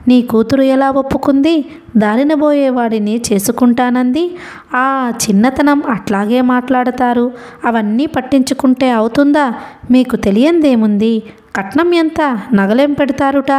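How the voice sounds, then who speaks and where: A woman's voice: high voice, darkish tone, voice pushed up. A woman voicing a scornful old grandmother. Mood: mocking. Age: older. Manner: scolding, sarcastic.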